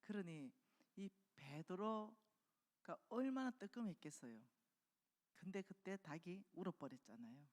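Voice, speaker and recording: A woman delivers a revival sermon, retelling a story and voicing its characters with animated energy. Her voice sits a little low, and it rings out with a long reverb across a church hall. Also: unhurried. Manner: animated storytelling, acting out quoted dialogue. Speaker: preacher. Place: church sanctuary.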